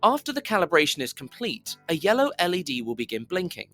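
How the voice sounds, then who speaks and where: Over-articulating male narrator with lively intonation. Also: fairly high pitch, fast talker. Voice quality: over-articulated, slightly pushed delivery. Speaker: voice actor on a demo reel. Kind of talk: scripted commercial and instructional narration. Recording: roomy, reverberant home recording, music bed. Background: music bed in places.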